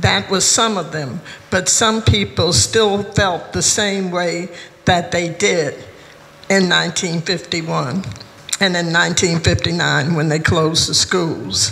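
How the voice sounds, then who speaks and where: Speaking very slowly with a Southern US accent, a woman has a fairly low pitch and ordinary pitch variation. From US South, Virginia (Prince Edward County). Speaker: civil rights plaintiff. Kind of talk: panel discussion. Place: hall. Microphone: handheld.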